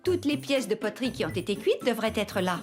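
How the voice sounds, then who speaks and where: A woman's voice: mid-range voice, sing-song, a little fast, natural voice. A woman playing a kindly, patient grandmother in a children's cartoon, explaining things in an encouraging way, with music behind.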